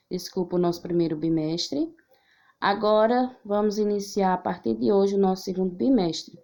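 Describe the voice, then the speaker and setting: A woman teaching an online class, slowly reading out word examples one by one. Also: medium pitch, vocal fry, mellow.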